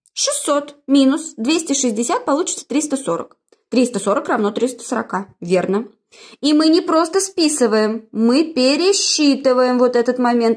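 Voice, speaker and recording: Intonation is lively and loudness stays very even. The pace is fairly slow. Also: woman. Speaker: schoolteacher. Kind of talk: commentary while grading workbooks. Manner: warm, affectionate.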